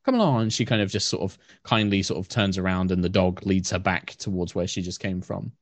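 A man's voice: low-pitched, little pitch movement, no echo. Man narrating as game master, dry sound. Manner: descriptive, unhurried, with frequent fillers.

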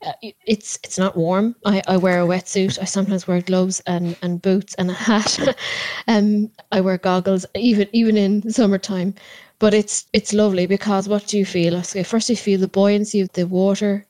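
A woman's voice: mid-range voice, level tone, normal speed, a little mellow, dry recording. A woman with an Irish accent from Cork, a podcast guest talking with enthusiasm and often repeating words as she gathers her thoughts. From Ireland. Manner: enthusiastic, repeats words while searching for phrasing. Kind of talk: conversational interview. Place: home.

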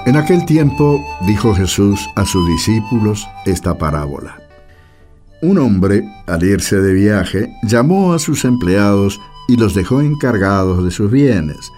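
Deep, expressive male radio-play narrator. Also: measured pace. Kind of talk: scripted storytelling narration of a radio play and Gospel reading. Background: faint guitar music.

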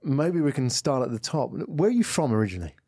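A man hosts an interview podcast, talking in loose, rambling questions. His voice sits at a middle pitch. The studio sound is dry and close. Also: very animated, quick pace, warm tone, slightly rough, no room sound. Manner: chatty, rambling questions with frequent "mm" backchannels. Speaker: podcast host.

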